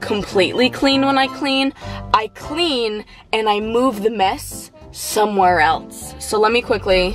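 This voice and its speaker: Faint music plays behind a woman speaking at a fairly slow pace. The sound is dry, with no echo. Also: ordinary pitch variation. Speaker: vlogger. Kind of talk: casual vlog chat. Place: car. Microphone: phone near.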